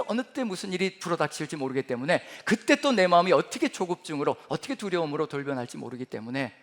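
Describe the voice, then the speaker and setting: A man's voice: sits high, fairly bright tone. A man in his fifties with a Gyeongsang Korean accent, preaching a sermon as pastor in a church sanctuary, earnest and emphatic, speaking God's promises tenderly. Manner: earnest, rising to emphatic declarations, voicing God's words tenderly. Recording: reverberant church hall.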